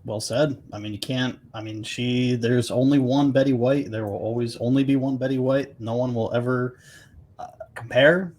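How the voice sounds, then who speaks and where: A man's voice: medium pitch, fairly even intonation, moderate pace, a little mellow. A man chatting casually as a co-host on a podcast.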